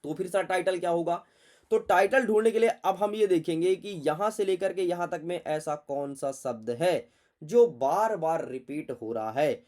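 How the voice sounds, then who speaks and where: A man's voice: a little high, a little mellow. A man teaching an exam prep lesson, chatty and playful, talking straight to his students and muttering to himself while he searches the text.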